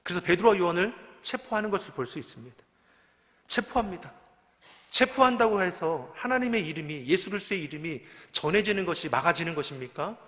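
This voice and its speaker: Male pastor, bright forceful voice, preaches with pointed rhetorical questions; long church reverb. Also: on the high side. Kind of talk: sermon. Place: church sanctuary.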